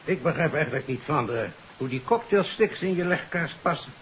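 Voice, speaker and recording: An actor playing a genial, authoritative police chief, measured and genteel in 1950s radio drama style. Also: male voice, a little high, lively intonation, close to an everyday voice. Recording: dull, hissy 1950s radio recording.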